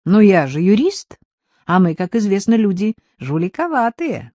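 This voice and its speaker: A woman's voice: medium pitch, sing-song, moderate pace, dark tone, dry recording. A woman voicing a playful, self-assured male lawyer in an audiobook reading. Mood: teasing.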